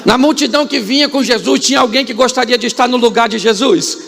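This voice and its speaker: A Brazilian pastor with a high voice and a gravelly edge preaches in a church. He tells the story with humor and drama, rising and dropping sharply, and keeps quizzing the congregation with repeated questions. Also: fast talker, a bit bright, slight background noise. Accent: Brazilian Portuguese. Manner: dramatic storytelling with sudden rises and drops. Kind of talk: live church sermon.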